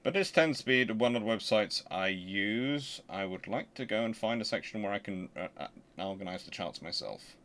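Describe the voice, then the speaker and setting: A man hosting a history channel, explaining informally and thinking aloud in a halting, conversational way. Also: lowish voice, lively intonation, fairly bright tone. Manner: conversational, halting, muttering to himself while working.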